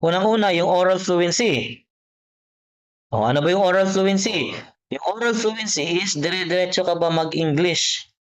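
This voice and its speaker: Man, tutor, online lesson, fairly high pitch, patient and repetitive. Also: moderate pace. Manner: coaxing, repeats points, checks with "ha?" and "okay?". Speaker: test prep tutor. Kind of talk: private online tutoring session.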